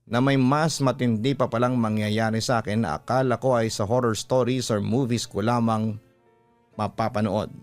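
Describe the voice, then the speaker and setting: A man with a Filipino accent, a radio host reading a listener's letter as a dramatic first-person story. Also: medium pitch.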